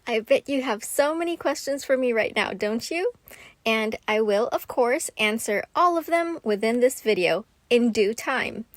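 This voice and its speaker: A woman's voice: a little high, expressive, unhurried, no echo. Upbeat woman narrating a craft video. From Thailand. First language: Thai. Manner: chatty and upbeat, with a little self-deprecating humor. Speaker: art channel creator.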